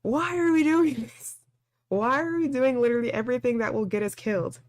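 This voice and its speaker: A woman doing a let's play, reading a visual novel aloud and reacting with animated, exasperated casual asides. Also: on the high side, fairly quick.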